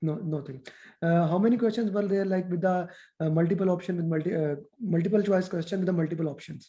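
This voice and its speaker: The voice has a dark, mellow tone and fairly even intonation. It moves at a very fast pace. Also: man, high pitch for a man. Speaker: exam prep coach. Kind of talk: interview.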